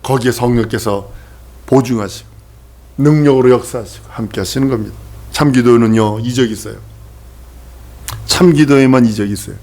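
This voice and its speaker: A male pastor preaching a sermon with emphatic repetition, often turning to ask the congregation questions. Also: mid-range voice.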